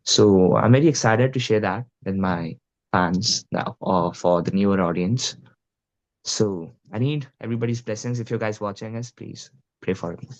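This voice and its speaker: A man's voice: lowish voice, moderate pace, muffled recording. A young man with an Indian Punjabi accent, a guest musician talking earnestly and casually, with lots of "you know" and "like". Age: young adult. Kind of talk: casual interview talk.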